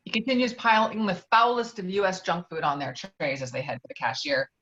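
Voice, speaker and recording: A woman's voice: fairly low pitch, sing-song, brisk, a bit bright, highs cut off. A woman reading out stage directions as scripted narration of a screenplay.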